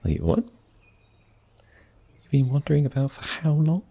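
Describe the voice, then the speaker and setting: A man playing a gentle, wary and kindly forest mage in a fantasy ASMR roleplay, soft-spoken and a little hesitant. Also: on the high side, sing-song, moderate pace, slightly rough, pitched above the performer's own voice, full character voice. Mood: concerned, helpful.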